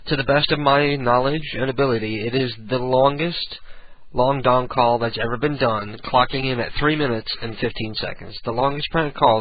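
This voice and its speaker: A man's voice: mid-range voice, no echo. Rambling male radio host. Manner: rambling, offhand, hesitant. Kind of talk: casual rambling monologue. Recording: phone-like lo-fi broadcast.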